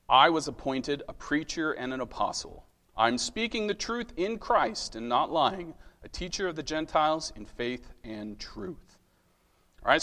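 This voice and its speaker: A man's voice: mid-range voice, a bit bright, big-room sound. A man giving a sermon as a lay preacher, talking in a conversational, self-deprecating way with restarts and frequent check-ins with his listeners.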